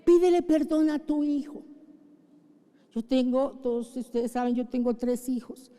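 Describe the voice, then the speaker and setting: Fervent, high-voiced woman pastor preaching. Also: unhurried, warm tone, in a large hall. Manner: fervent prayer, emphatic repetition. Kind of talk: sermon. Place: church.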